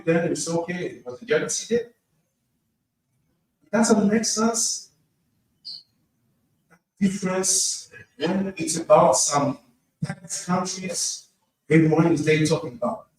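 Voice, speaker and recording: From the audience floor of a large indoor conference room, a man from DR Congo with a Congolese French accent delivers an impassioned speech in halting, non-fluent English. His voice is high-pitched, and he repeats phrases for emphasis. The distant mic picks up a very echoey hall and faint noise.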